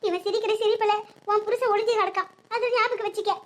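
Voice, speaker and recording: A woman's voice: very high-pitched, steady tone, quick pace. A woman voicing a grieving older village mother-in-law with a southern Tamil Nadu accent, lamenting and giving advice. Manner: lamenting, advising.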